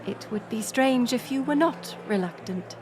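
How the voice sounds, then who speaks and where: A woman playing a gracious, resolute middle-aged queen in an audio roleplay, speaking in formal, stately, measured phrases. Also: a little high, lively intonation, over music, natural voice. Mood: earnest reassurance. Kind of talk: scripted audio roleplay acting.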